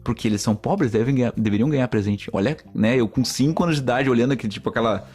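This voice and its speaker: A man's voice: medium pitch, rapid-fire, darkish tone, husky, faint music behind. A man from Brazil, hosting a solo podcast and telling stories in a chatty, rambling way straight to his listeners. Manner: rambling, chatty, often addresses listeners as "gente". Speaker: podcast host. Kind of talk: casual solo podcast storytelling.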